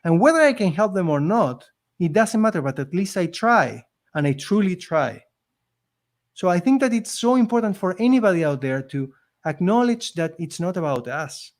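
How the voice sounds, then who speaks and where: A man's voice: high voice, very animated, moderate pace. A man with a non-native accent, a podcast guest telling his story in an earnest, emphatic, motivational way. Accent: non-native accent in English. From immigrant living in Canada. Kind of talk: conversational storytelling.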